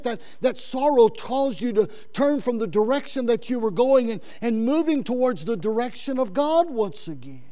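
Fervent high-voiced male preacher. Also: dark tone. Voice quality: big voice. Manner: fervent preaching with frequent stammered repeats. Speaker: pastor. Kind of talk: sermon.

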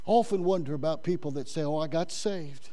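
Fervent high-voiced male preacher. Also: fairly quick, mellow. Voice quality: big voice. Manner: fervent preaching with frequent stammered repeats. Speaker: pastor. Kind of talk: sermon.

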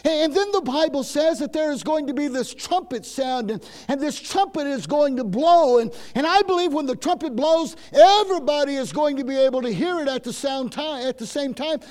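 A man's voice: very high voice, normal speed, few pauses, darkish tone. An older man preaching a sermon in a church, building emphasis through repetition and restarts. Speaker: pastor.

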